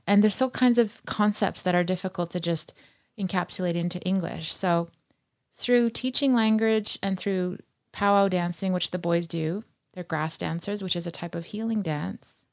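A woman's voice: on the low side, moderate pace, vocal fry, no room sound. Reflective woman, dry close sound. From Iran. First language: Farsi. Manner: reflective, with frequent ums and you-knows. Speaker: guest. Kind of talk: casual conversation.

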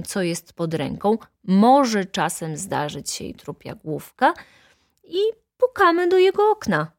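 A woman's voice: mid-range voice, no room sound, clean studio sound. A woman voicing an insolent young male student who speaks with sugary, mocking sweetness. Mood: sly.

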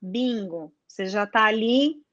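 A woman's voice: mid-range voice, lively intonation, measured pace, a bit bright, no echo, lo-fi sound. A woman explaining a process step by step in casual chat, often checking in with "tá?" and posing questions to herself. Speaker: guest explaining investment advisor certification.

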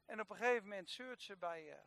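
A man preaches a sermon, telling a Bible story with energy and acting out each character, suddenly jumping from quiet to loud. His voice sits high, moves fast and has a creaky quality.

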